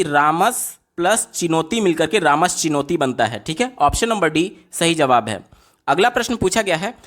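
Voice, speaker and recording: A man tutoring through a teacher exam paper, asking questions and answering them himself and repeating the right option. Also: high-pitched. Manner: asks and answers his own questions, repeats answers.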